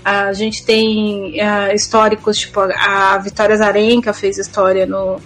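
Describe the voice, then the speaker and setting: A woman's voice: medium pitch, flat delivery, measured pace, soft background music. A woman with a Brazilian accent giving casual sports commentary on a podcast.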